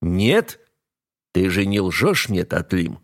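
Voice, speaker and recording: A man's voice: sits low, big pitch swings, takes it slowly, exaggerated voice. A man voicing a cold, domineering heir to the throne who issues level, menacing warnings. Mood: commanding. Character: cold, domineering male heir, the narrator himself.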